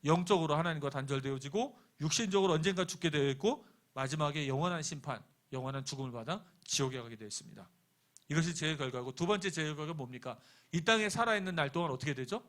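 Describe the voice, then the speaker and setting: A man's voice: a little high, a bit bright. A middle-aged man preaching a sermon as pastor. He keeps asking the congregation questions and answering them himself, and tells a personal story with quoted lines. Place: church sanctuary.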